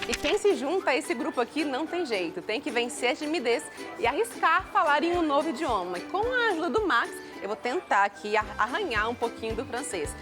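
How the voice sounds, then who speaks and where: A woman reporting for television in a playful, animated way. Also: high-pitched, fairly quick. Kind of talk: lively on-air report. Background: background music.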